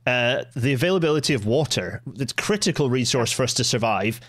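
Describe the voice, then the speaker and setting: A middle-aged man hosting a podcast, talking eagerly in quick bursts and restarting his sentences often. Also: medium pitch, lively intonation, fairly bright tone. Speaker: podcast host. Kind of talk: casual podcast conversation.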